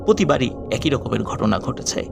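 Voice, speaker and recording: A man's voice: medium pitch, sing-song, moderate pace, creaky. A man telling a horror story to his listeners, addressing them directly and rising in emphasis. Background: eerie background music.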